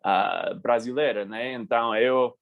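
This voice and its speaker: Guest voice: American man, native English speaker, mid-pitched, halting second-language delivery. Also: fairly even intonation, narrow, tinny audio. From United States. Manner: halting, restarts words while searching. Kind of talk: casual interview.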